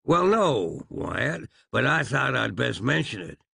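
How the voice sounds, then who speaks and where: A man's voice: mid-range voice, very animated, takes it slowly, vocal fry, bright, forceful tone, husky, no echo, studio quality, pitched above the performer's own voice, full character voice. A man voicing a cautious, loyal Old West gunman who speaks earnestly in a plain frontier drawl. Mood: wary.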